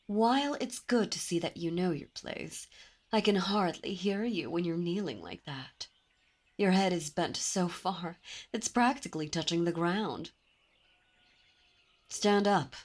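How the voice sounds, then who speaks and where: A haughty demon princess, voiced by a woman, teasing and imperious as she draws her listener close. Her voice sits a little low and moves at an unhurried, slow pace. Faint birdsong drifts in the background. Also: animated. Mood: commanding. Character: haughty seductive female demon princess, commanding. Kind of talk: ASMR roleplay audio.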